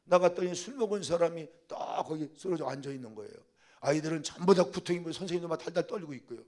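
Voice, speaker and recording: An older man, a senior pastor, preaching a fervent sermon that swings from loud calls to the congregation into quieter storytelling. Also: fairly high pitch, expressive, fast. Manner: quieter storytelling when recounting a past event.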